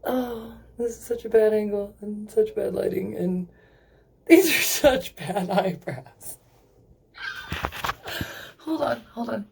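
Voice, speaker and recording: A woman's voice: medium pitch, slow pace, vocal fry, pauses often, darkish tone, a little hiss or hum. A young woman vlogging casually, rambling and giggling nervously as she talks to the camera, swearing often. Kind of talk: casual beauty vlog.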